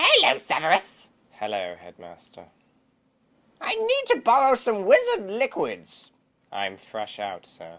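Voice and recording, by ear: The speaker uses a put-on character voice at a fairly slow pace. Long pauses come often.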